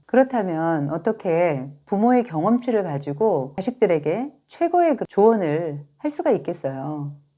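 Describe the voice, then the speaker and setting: Against a quiet background, a woman with a fairly low pitch speaks at a fairly slow pace with very wide pitch swings and hardly any pauses. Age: 50s. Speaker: retired office worker, personal finance YouTuber. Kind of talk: casual talk to camera.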